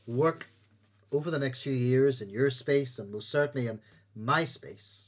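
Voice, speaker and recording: A man speaks with a Northern Irish accent. His pitch is fairly high. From Northern Ireland. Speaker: Methodist minister and peacebuilder. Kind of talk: interview.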